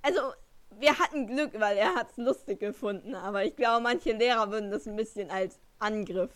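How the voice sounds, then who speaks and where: A woman's voice: mid-range voice, normal speed. A teenage girl co-hosting a podcast, chatting casually and hesitantly, often correcting herself. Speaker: podcast co-host. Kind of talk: casual chat.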